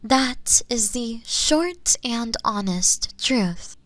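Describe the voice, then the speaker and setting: A woman voicing a gentle, ageless otherworldly spirit in a comforting audio roleplay, speaking softly and formally with breathy, near-whispered phrase endings. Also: on the high side, lively intonation, extremely slow, no room sound, full character voice. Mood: sincere, gentle. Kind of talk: scripted comforting audio roleplay, soft ASMR delivery.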